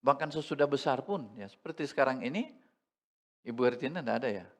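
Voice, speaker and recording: A man's voice: mid-range voice, lively intonation, fairly quick. A man preaching a Sunday sermon as pastor in a church service, talking conversationally with humor and asides to the congregation.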